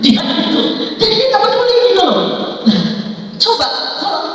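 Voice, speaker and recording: Woman, Indonesian accent, middle-aged, high voice, sermon, chatty storytelling, heavy echo, distant church recording. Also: normal speed. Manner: conversational, animated storytelling, quoting her children. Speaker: preacher. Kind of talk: sermon with personal stories. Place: church sanctuary. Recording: echoey church hall, distant mic.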